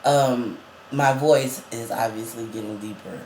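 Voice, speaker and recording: A trans man vlogger chats casually and unhurriedly, laughing often and filling his talk with ums. His middling, darkish voice cracks and wobbles up and down now and then, heard in a roomy, echoey space with a faint hum behind it.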